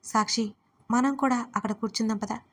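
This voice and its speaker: A woman's voice: fairly high pitch, steady tone, normal speed. A woman voicing an easygoing young female friend in an audio story, coaxing and eager.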